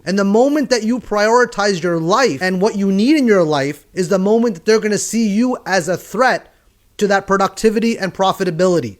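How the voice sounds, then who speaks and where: A man giving an earnest, emphatic motivational monologue. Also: sits high.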